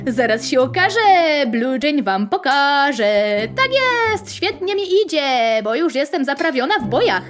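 A woman's voice: high voice, big pitch swings, measured pace, few pauses, a bit bright. A young woman hosting a playful gaming let's-play, bubbly and sing-song, rhyming and squealing at mishaps, with game music underneath. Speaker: gaming channel host.

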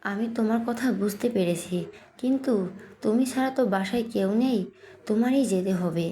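A woman reading as a gentle, patient father in an audio story, calm and quietly persuasive. The voice is mellow and warm, read at an even storybook pace. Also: mid-range voice, normal speed, natural voice.

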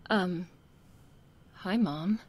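A woman voicing a nervous, sheepish young succubus in a soft, hesitant ASMR role-play. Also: fairly low pitch, extremely slow, full character voice. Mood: embarrassed. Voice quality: soft, husky, breathy. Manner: hesitant, flustered, succubus-like soft intimate delivery. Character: nervous young female succubus, reluctant, sheepish, affectionate daughter.

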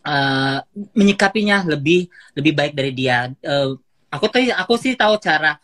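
A livestream host talks in a measured, conciliatory way. The speech is full of hesitations and filler sounds. The voice sits at a middle pitch. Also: animated, fairly bright tone. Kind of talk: casual livestream chat.

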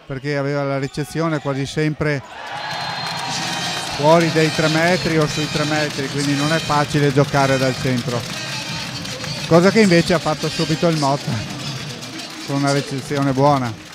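High-pitched man analysing live volleyball. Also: steady tone, normal speed, long pauses, music in the background, rough recording. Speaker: volleyball co-commentator giving technical analysis. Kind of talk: live sports commentary, analysing plays.

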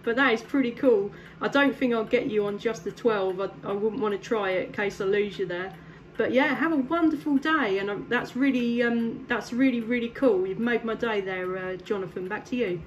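A woman's voice: on the high side, moderate pace, a little hiss or hum. A woman from England chatting casually with a distant contact over CB radio from her home station, laughing often and filling gaps with ums. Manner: friendly, laughs often, many fillers. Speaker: CB radio operator.

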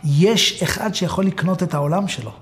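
A man's voice: sits high, a bit bright. A male rabbi preaching a sermon, telling a story dramatically and asking his listeners rhetorical questions.

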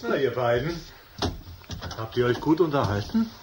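A man's voice: medium pitch, big pitch swings, moderate pace, a little hiss or hum, lightly acted. A man playing a jovial, teasing middle-aged father in a children's audio drama. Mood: amused, teasing. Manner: amused, teasing.

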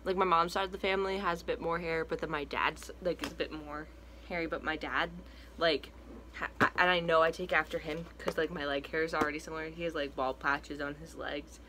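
A man's voice: on the high side, steady tone, a little fast, noisy background. A young trans man talking through a casual home vlog update, rambling with lots of fillers, his voice cracking now and then. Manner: chatty and rambling, many fillers and restarts. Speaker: vlogger. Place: small room indoors at home.

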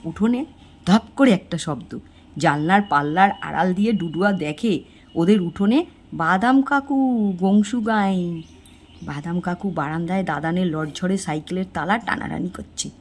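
A woman's voice: normal speed, a little hiss or hum. An older woman narrating a homely village story, briefly lifting her voice for the characters' lines. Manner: homely storytelling, doing character lines with small pitch lifts.

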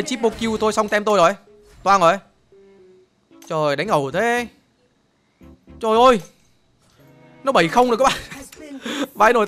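A young man giving excitable live gameplay commentary, full of exclamations and brash trash talk aimed at opponents. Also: high-pitched. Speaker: gaming streamer.

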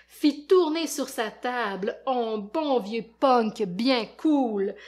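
Enseignante québécoise, lecture jeunesse posée et rythmée, voix un peu aiguë. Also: female voice, fairly high pitch. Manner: lively, rhythmic, asks children questions. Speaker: teacher and storyteller. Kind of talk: reading a picture book aloud to children.

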